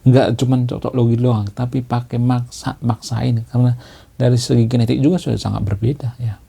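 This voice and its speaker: A man with a medium-pitched, steady voice speaks briskly, with creak, warmth and a breathy edge. He delivers a leisurely monologue explaining his views, often repeating key words and closing phrases with a questioning tag "ya."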